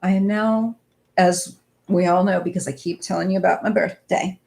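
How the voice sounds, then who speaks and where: Reading live chat on her tarot stream, a northwest Missouri woman in her fifties talks at a moderate pace in a lowish, darkish voice with vocal fry and fairly even intonation. She's rambling and chatty, calling her viewers "you guys" in a casual way.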